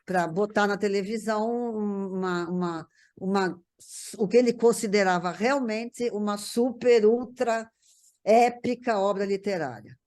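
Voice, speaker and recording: A woman's voice: mid-range voice, unhurried, a little mellow. A Brazilian woman reminiscing in casual conversation as an interview guest, often repeating words as she searches for the next one.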